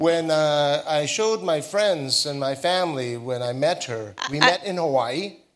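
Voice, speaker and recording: A man at a very slow pace, fairly high in pitch, with ordinary pitch variation and audible room echo. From US Midwest, Michigan. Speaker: missionary preacher. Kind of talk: sermon.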